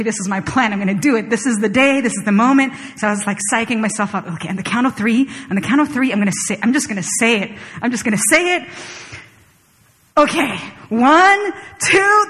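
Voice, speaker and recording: A young adult woman from Chile preaching a sermon, telling a personal story in a conversational, animated way with casual fillers. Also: fairly high pitch. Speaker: pastor. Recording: long hall reverb.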